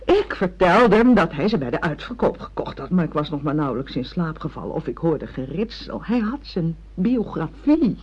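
A woman's voice: low voice, sing-song, moderate pace, hardly any pauses, husky, heavily acted. An actress playing a weary, defensive middle-aged wife and mother in a radio drama, speaking plaintively. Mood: weary, exasperated. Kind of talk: Dutch radio drama acting. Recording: dull, muffled radio play recording.

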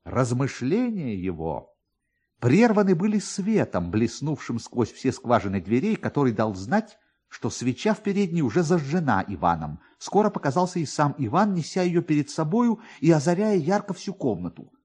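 A man's voice: fairly high pitch, big pitch swings, moderate pace, darkish tone, husky. A man narrating a classic story in a theatrical, dramatised radio reading style.

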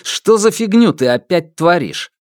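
A man's voice: high voice, big pitch swings, a little slow, no echo, clean studio sound, pitched above the performer's own voice. A man voicing a stubborn, blunt teenage schoolboy in an audiobook, curt and indignant. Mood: angry. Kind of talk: audiobook character voice.

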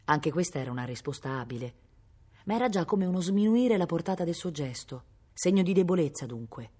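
A woman reads a novel aloud in a low voice. Her delivery is measured and steady, a literary reading recorded at a public library. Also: breathy edge. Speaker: reader.

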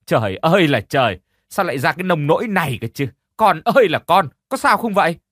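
A male narrator doing a domineering old matron of a wealthy house, shrill and cruel, her voice climbing high and loud as she berates those below her. A lively, swinging delivery in a dry audiobook reading. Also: a little fast, no room sound. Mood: frantic worry. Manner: shrill scolding shouts.

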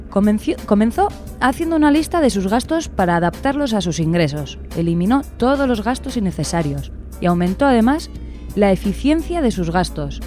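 A woman's voice: mid-range voice, dark tone, natural voice. A woman in a radio play narrating a hopeful tale in an earnest, scripted storytelling style.

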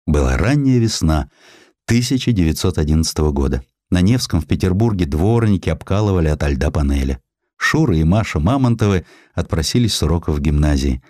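Deep-voiced man narrating in a dry studio. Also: darkish tone, dry recording. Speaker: audiobook narrator. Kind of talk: dramatic scripted literary narration.

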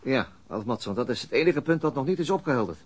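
A man's voice: medium pitch, lively intonation, fast talker, husky. A man acting a weary, middle-aged police detective in a radio drama, explaining things methodically with small hesitations. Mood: matter-of-fact.

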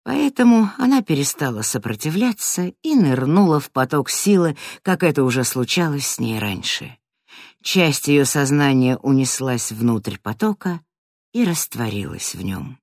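An audiobook narrator reading a fantasy story in a dramatic way, swinging from hushed to loud. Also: mid-range voice, sing-song, moderate pace, dry recording, studio quality.

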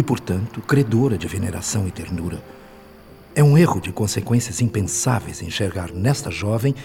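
Radio drama spirit guide: Brazilian, low warm voice, compassionate, gently admonishing, faint music underneath. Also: male voice. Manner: solemn, compassionate, eloquent. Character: benevolent, wise male spirit mentor, gently admonishing.

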